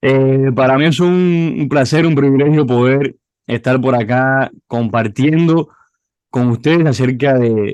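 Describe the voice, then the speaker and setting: In a Cuban accent, a man speaks at a very slow pace with very even loudness, his medium pitch moving with ordinary variation. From Cuba, Camagüey. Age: 20s. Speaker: youth pastor. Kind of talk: testimony.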